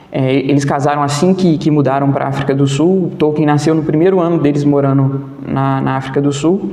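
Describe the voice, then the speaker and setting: A man's fairly high-pitched voice at a fairly quick pace, with audible room echo and noticeable background noise. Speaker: lawyer and literature graduate student, lecturer. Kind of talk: lecture. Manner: fast when excited; hesitant, many fillers.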